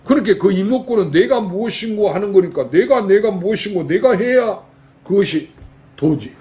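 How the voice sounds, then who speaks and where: A man's voice: high voice, animated, normal speed, dark tone. An older man from Jeolla, a Buddhist monk giving a folksy dharma talk in a temple hall and quizzing his lay audience with rhetorical questions. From Jeolla, South Korea.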